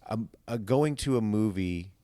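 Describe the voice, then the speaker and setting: A man's voice: fairly low pitch, animated, a little slow, warm tone, dry recording. A man hosting a podcast in casual conversation, with a wry, dryly joking manner. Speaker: podcast host.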